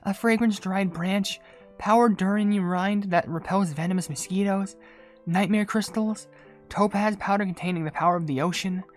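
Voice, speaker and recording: A woman voicing a gentle, courteous young female incense maker in a game, polite and measured. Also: medium pitch, close to an everyday voice. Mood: focused. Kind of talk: reading game dialogue aloud in character. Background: game music.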